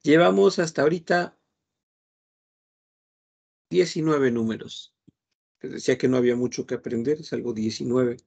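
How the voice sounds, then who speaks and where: A man's voice: mid-range voice, moderate pace, vocal fry, long pauses, darkish tone, breathy edge, lo-fi sound. A man teaching a French class online, patient and repeating words as he explains.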